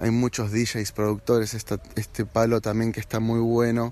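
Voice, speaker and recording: A man's medium-pitched voice in monotone, flat intonation. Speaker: folk musician and DJ. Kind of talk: recorded interview.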